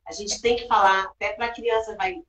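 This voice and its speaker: A woman's voice: mid-range voice, steady tone, moderate pace, a bit bright. A woman teacher from Rio de Janeiro with a Carioca accent, co-hosting a live video chat in a hesitant, conversational way. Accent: Carioca Portuguese. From Rio de Janeiro, Brazil. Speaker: teacher and co-host. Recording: roomy, dull sound.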